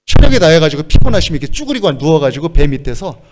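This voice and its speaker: A male pastor delivers a sermon with a voice pitched a little above the usual for a man. He is lively and expressive, breaking into short laughs and acting out the lines he quotes. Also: fast talker, noisy background.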